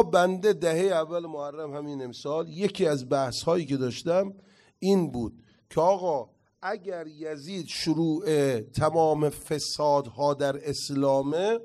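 A cleric delivers an impassioned religious lecture, reciting Arabic quotations slowly. He swings from loud declaiming down to quiet, low asides.

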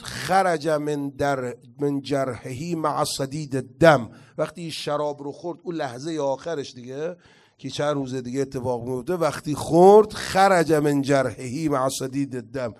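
Speaking with passion, a male cleric gives a religious lecture in which he slowly recites Arabic quotations, rising to loud declamation and then dropping into hushed asides.

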